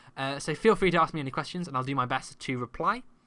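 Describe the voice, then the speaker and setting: The speaker has a British accent. The background is quiet. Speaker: gaming YouTuber. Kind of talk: tutorial. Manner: casual, filler-heavy.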